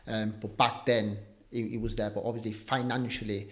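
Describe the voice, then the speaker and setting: A man's voice: on the low side, normal speed. A young man from Spain, a padel coach, talking casually in an interview with many fillers. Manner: relaxed, chatty, many fillers like "um" and "like".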